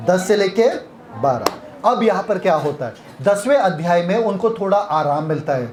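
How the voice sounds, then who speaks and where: A man's voice: sits high, animated, normal speed, darkish tone, slight background noise. A man leading a Bible retreat session, teaching interactively and quizzing listeners with repeated questions. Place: retreat hall. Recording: echoey hall.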